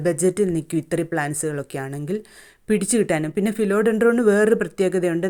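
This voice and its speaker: A woman hosts a casual vlog about selling her plants. Her voice sits low, and she talks in a plain, chatty way with many fillers. She often stops and restarts as she shows each plant. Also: mellow. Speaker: home plant seller.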